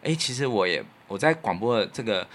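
A man's voice: lowish voice, lively intonation, fairly quick. A man with a Taiwanese Mandarin accent, co-hosting a podcast in a casual, reflective chat. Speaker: podcast co-host and radio producer.

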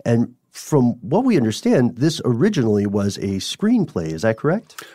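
A man hosting a podcast in a conversational style, with measured, slightly formal and wordy phrasing. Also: medium pitch, huge pitch swings, dark tone, no room sound, studio quality. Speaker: podcast host.

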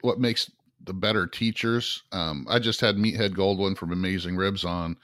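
A man hosting an interview, speaking in a halting way with stammers and restarts. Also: low voice, fairly even intonation, a bit bright, no echo, clean studio sound. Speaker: podcast host. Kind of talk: conversational interview.

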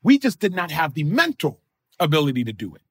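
A man in his thirties, a podcast guest, talking in an energetic, emphatic, slangy way. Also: on the high side, fast talker, breathy edge, no echo, clean studio sound. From Nigerian family, raised in the US. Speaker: podcast guest, former football player. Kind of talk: casual interview talk.

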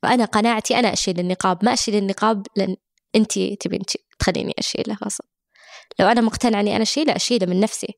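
A woman's voice: mid-range voice, fairly even intonation, very fast, creaky, no room sound, studio quality. A young woman in her twenties recounting a personal experience casually, hesitant and full of fillers. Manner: hesitant, many fillers and restarts. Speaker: interviewee.

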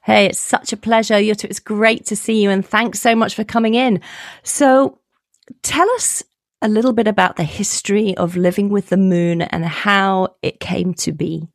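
Softly spoken woman podcast host, slightly gravelly. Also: mid-range voice, fairly even intonation, moderate pace, no room sound, clean studio sound. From United Kingdom. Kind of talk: scripted podcast introduction and interview. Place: studio.

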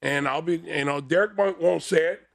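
A man's voice: fairly high pitch, brisk, gravelly, a little hiss or hum. A man with a big voice speaking bluntly and heatedly as a guest on a casual sports talk panel. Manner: blunt, fired up, outspoken.

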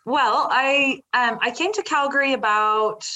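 A woman in her thirties from the Netherlands, a guest speaking in a relaxed interview, thoughtful and halting with many fillers and restarts. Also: high-pitched, poor audio. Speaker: guest from a women's center. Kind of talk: casual interview talk.

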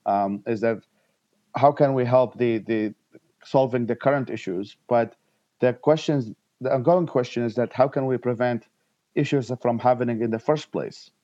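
A man from Iraq, in his thirties, answering interview questions in halting speech with frequent restarts and fillers. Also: mid-range voice, warm tone, dry recording, highs cut off. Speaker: guest, nonprofit founder.

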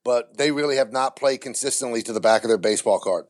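A man's voice: mid-range voice, quick pace. Blunt, candid man giving an interview. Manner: candid, blunt, talks in vivid comparisons. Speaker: baseball TV play-by-play announcer, guest.

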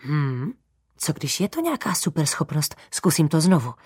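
A woman narrating a children's story in the first person as a girl, lively and playful with whispered asides. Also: low-pitched, breathy edge, no echo, clean studio sound.

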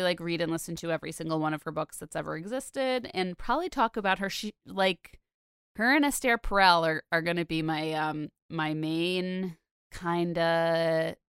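A young woman from Connecticut, co-hosting a podcast in a chatty, animated way with lots of filler words. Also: lowish voice, smooth, no room sound, studio quality. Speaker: podcast co-host. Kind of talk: casual chat.

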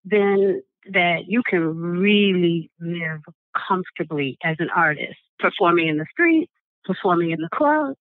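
A woman from Michigan who works as a street jazz singer speaks over a phone line. The sound is thin and tinny, with no room around it. She talks in a reflective way, with soft laughs and plenty of ums. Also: mid-range voice, dry recording. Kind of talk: phone interview.

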